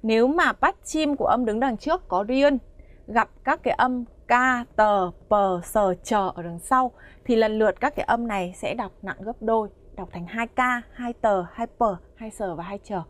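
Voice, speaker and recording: A woman's voice: fairly high pitch, moderate pace. A woman narrating a language course, addressing learners directly and explaining the lesson in a friendly, explanatory way.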